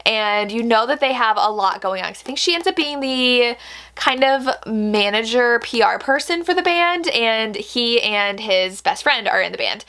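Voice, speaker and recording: Excited booktuber girl chatting casually, bright highish voice, says like a lot, super gushy. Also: moderate pace. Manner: gushing, enthusiastic; peppers speech with "like" and emphatic repeats. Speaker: book reviewer, booktuber.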